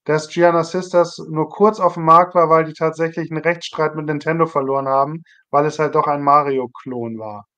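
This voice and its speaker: A man's voice: fairly high pitch, steady tone, moderate pace, hardly any pauses, fairly bright tone. A man, talking casually and curiously as a livestream co-host. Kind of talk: casual chat.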